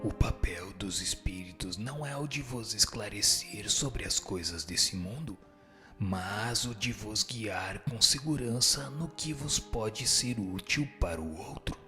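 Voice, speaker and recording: Man acting as a solemn spirit, bright and forceful. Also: lowish voice, lively intonation, measured pace, faint music behind. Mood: solemn, admonishing. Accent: Brazilian. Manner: solemn, didactic. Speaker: answering voice in a radio drama. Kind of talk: scripted radio drama reading of a spiritist text.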